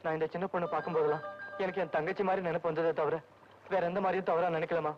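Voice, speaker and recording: A man's voice: on the high side, level tone, very fast, lightly acted. An actor playing a meek village man who is wrongly accused and pleads in a flustered way, with a Tamil accent. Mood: pleading. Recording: dull old film soundtrack with music.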